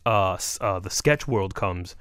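A man's voice: low-pitched, lively intonation, measured pace, fairly bright tone, clear, resonant tone, no echo, clean studio sound. A man with a Miami Cuban-American accent, a comedian chatting casually and slangily as an interview guest. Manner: joking, slangy, says dude and bro. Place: radio studio. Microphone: close studio microphone.

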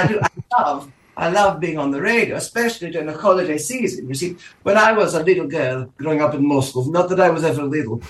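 A man's voice: on the high side, roomy sound, close to an everyday voice, poor audio. A man voicing a vain, aging Eastern European countess and drag diva, with a theatrical, stammering manner and a vaguely Eastern European, mid-Atlantic accent. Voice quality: theatrical, stammering, self-mocking. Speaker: guest performer. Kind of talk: campy in-character radio chat. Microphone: phone or remote line from home.

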